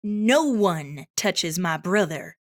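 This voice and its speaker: A woman playing a fierce, protective young sister in an audio drama, defiant and shouting threats. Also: lowish voice, animated, slow pace, noisy background. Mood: furious defiance.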